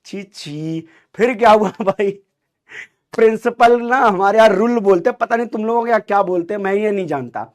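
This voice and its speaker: A man telling students a story in an animated, dramatic way, acting out the dialogue. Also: high voice, moderate pace. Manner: lively, dramatic, acts out dialogue.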